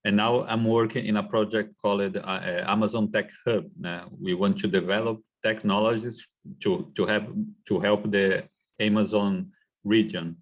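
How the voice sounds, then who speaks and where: A man's voice: fairly low pitch, fairly even intonation. A man from Brazil introducing himself and asking a question at a panel, speaking plainly with small hesitations. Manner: plain, slightly halting. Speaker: audience member asking a question. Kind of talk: brief self-introduction and question.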